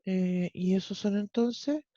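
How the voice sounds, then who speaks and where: A math teacher with a Chilean accent works through a problem in an online class, step by step. The voice is mellow, and the lo-fi audio sounds dry, with no room around it. The teacher keeps checking that the students follow. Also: mid-range voice, slow, no echo. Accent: Chilean Spanish. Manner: explains step by step, often checks with "¿cierto?".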